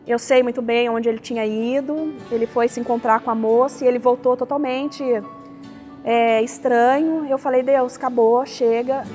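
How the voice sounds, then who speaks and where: A woman pastor with a São Paulo Brazilian accent tells her personal story in a high voice. She acts out conversations and prayers as she goes. Soft music plays faintly under her words. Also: steady tone, normal speed. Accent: São Paulo state Brazilian Portuguese. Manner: storytelling, acting out dialogue and prayers. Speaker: pastor giving a testimony. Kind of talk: personal testimony.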